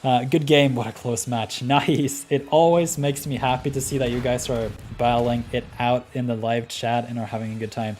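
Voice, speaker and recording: Faint music sits under this livestream host, a man from Norway with a Norwegian accent who offers game commentary and reads chat, chatting easygoingly between plays with lots of ums and laughs. His voice is mid-range and darkish, with fairly even intonation, a moderate pace, and hardly any pauses.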